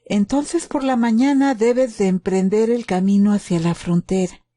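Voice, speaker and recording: Woman doing a calm soldier guy in a war story, mellow, protective, giving instructions. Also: mid-range voice, moderate pace, no echo, studio quality, voice pushed up, close to an everyday voice. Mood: urgent, instructing. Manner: instructing, reassuring. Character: calm, protective German soldier, adult man.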